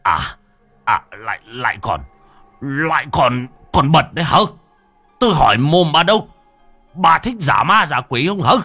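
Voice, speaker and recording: A man voicing a hot-tempered middle-aged husband in a ghost story, shouting and stammering with rage. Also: mid-range voice, big pitch swings, a little slow, long pauses, slightly rough, soft background music, voice pushed up, heavily acted. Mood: furious.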